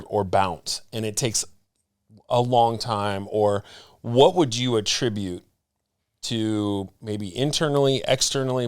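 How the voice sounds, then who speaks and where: A man's voice: on the low side, no room sound, clean studio sound. A man co-hosting a podcast, asking long rambling questions with many fillers. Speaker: podcast co-host. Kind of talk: interview questions.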